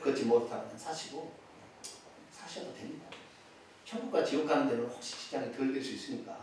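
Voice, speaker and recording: A man preaching a sermon as pastor, with a regional Korean accent, swinging between loud exclamations and hushed asides. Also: mid-range voice, brisk. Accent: Korean regional dialect. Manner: animated preaching with sudden loud exclamations and drops to near-whispers. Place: church sanctuary. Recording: echoey church sanctuary, from far off.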